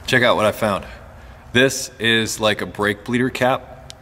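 A man's voice: fairly low pitch, unhurried. A man casually demonstrating a car repair step by step while he works, talking as he handles parts. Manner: relaxed, talks while working with hands. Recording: long reverb with faint background noise.

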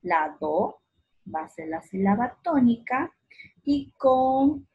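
Slow, breathy-voiced teacher woman. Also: mid-range voice, big pitch swings, highs cut off. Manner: slow, syllable-by-syllable teaching with drawn-out words; affectionate toward the child. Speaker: primary school teacher. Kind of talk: remote lesson for young children.

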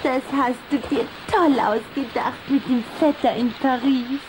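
A woman playing a brisk, caring little vampire girl in a children's radio play, speaking in a lively, urging way. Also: sits high, noisy background. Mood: pleased.

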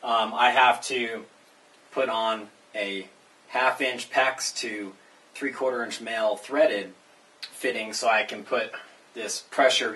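A young man narrating a hands-on plumbing demonstration, explaining each step in a relaxed, casual way with fillers. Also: fairly low pitch. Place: indoors in a tire-walled building under construction.

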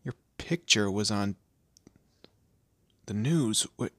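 Casting: male actor as weary, sardonic captive in intimate roleplay audio, bright rough-edged voice, hesitant delivery. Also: lowish voice, lively intonation, takes it slowly, no echo, full character voice. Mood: hesitant, curious. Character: weary, wry young man kidnapped by a mob boss. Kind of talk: first-person roleplay audio drama, conversational.

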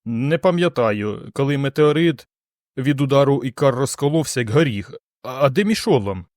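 A man voicing a weak, dazed young astronaut who talks slowly and faintly in an audiobook. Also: medium pitch, expressive, darkish tone, no room sound, studio quality, lightly acted. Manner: slow, faint.

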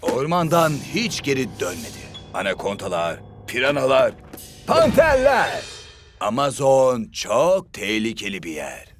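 A theatrical young footballer. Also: male voice, mid-range voice, wildly swooping pitch, measured pace. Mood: excited. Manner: theatrical, swooping delivery. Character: eager young male footballer, adventure lover. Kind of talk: dubbed cartoon acting. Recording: music bed under voice.

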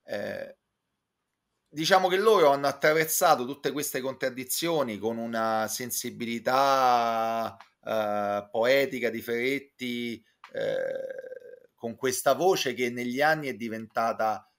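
A man with a Roman accent giving an informal review as a guest commentator, reflective and halting, with wordy, erudite phrasing. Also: medium pitch, creaky, a bit bright. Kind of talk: informal spoken concert review. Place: indoor room with bookshelves. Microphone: video call, close to computer.

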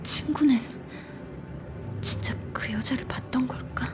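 High-voiced young woman, suspenseful storyteller. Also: unhurried. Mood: hushed, uneasy. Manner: conversational, suspenseful, drops toward hushed whispers. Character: frightened young woman recounting a ghost story. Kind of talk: Korean audio drama horror narration, intimate storytelling. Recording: background music under the voice.

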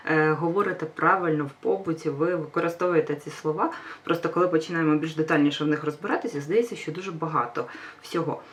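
A woman teacher giving a grammar lesson, patient and reassuring, stressing each example word. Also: on the low side. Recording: voice a bit far from mic.

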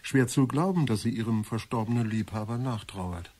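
An actor playing an inquisitive, sceptical police assistant in a radio drama, speaking conversationally. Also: male voice, on the low side, moderate pace, a little mellow, a little hiss or hum, close to an everyday voice. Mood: wry. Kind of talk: German radio drama acting.

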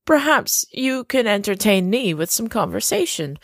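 A genteel, secretive hostess. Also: female voice, mid-range voice, very animated, dry recording, studio quality. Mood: gracious. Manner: gracious, slow and courteous. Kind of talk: audio drama acting.

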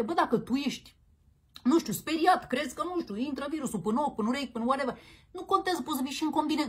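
A woman hosting a political commentary show, ranting in a combative, crude and mocking way. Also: high-pitched. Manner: combative, crude and mocking, peppered with slang address.

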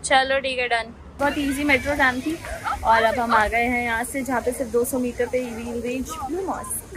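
A woman's voice: sits high, steady tone, moderate pace, noisy background. A young woman talking on location for a travel vlog, chatty and upbeat, mixing in English phrases. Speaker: travel vlogger.

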